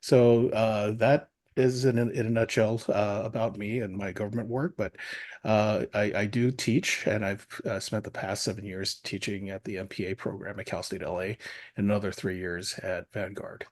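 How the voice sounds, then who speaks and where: A man in his fifties, originally from China, introduces himself as the guest on an online talk. His voice sits low, and he pauses often on fillers as he speaks. The recording is dry and close. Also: steady tone, a little mellow, no echo. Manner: hesitant, many "uh" fillers.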